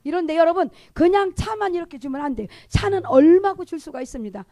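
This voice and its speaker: A woman with a Chungcheong Korean accent, giving an animated sermon testimony in church and acting out the conversations she describes. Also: extremely high pitch, quick pace, dry recording. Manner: animated, acts out dialogue in different voices.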